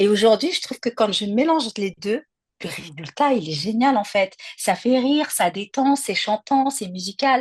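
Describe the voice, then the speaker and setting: A woman with a fairly high, somewhat breathy voice speaks at a moderate pace in an animated tone with lively intonation. The sound is dry and close, with no echo. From France (Lebanese family, born in Lebanon). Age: 40s. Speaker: comedian and content creator. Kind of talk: interview.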